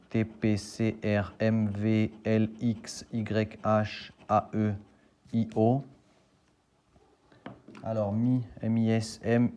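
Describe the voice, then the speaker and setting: A man's voice: fairly low pitch, warm tone, muffled recording, slight background noise. A man casually thinking aloud and spelling out letters as he scratches lottery tickets for a video.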